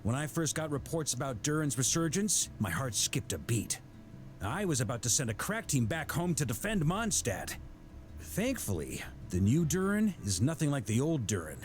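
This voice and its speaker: An actor playing a jovial, roguish middle-aged knight grandmaster in a video game, hearty and conversational like a theatrical storyteller. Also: male voice, medium pitch, big pitch swings, normal speed, slight background noise, close to an everyday voice. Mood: reflective. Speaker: game character giving voice lines. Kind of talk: scripted video game voice acting.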